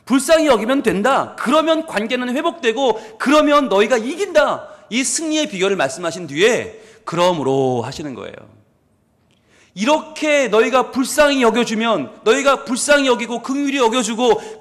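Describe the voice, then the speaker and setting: A man, a pastor, preaching a sermon in an animated storytelling way, acting out the people in his stories and asking the congregation questions he answers himself. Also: very high voice. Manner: animated storytelling, acts out quoted speakers. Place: church sanctuary. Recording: long hall reverb.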